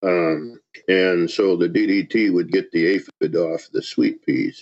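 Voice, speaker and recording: With music in the background, a man in an American accent speaks at a very slow pace. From US Northwest, northern Idaho. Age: 70s. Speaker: missionary and prepper. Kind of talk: interview. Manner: halting.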